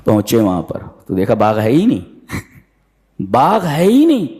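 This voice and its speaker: Male preacher, really lively pitch, jumps way up to act out characters, slow chant on the verses, long hall echo. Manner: animated storytelling, acts out voices with sudden high pitch. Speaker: Quran commentary preacher. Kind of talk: sermon. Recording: hall reverb.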